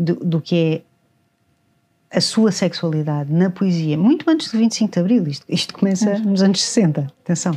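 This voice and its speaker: A woman's fairly low, somewhat breathy voice has a dark, mellow tone and ordinary pitch variation. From Portugal. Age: 50s. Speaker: writer and journalist; journalist. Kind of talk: interview conversation. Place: studio. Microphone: lapel.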